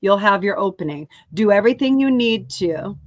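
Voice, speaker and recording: A woman's voice: mid-range voice, animated, normal speed, no echo, studio quality. A middle-aged woman co-hosting a casual talk show, speaking candidly, swearing freely and laughing often. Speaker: co-host. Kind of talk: casual chat.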